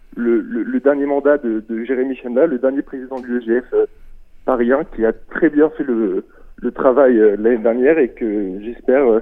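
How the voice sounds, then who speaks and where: Moderate pace with fairly even intonation. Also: man. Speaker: student association leader. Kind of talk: radio interview. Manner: halting.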